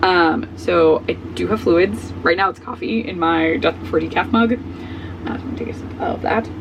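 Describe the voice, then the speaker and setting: A young woman book vlogger chatting casually at home, a little hoarse as her voice comes back, rambling with lots of fillers. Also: fairly low pitch, moderate pace. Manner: rambling, filler-heavy, self-correcting. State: slightly hoarse, voice coming back. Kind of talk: casual chat. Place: at home, traffic noise outside. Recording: faint outdoor truck noise.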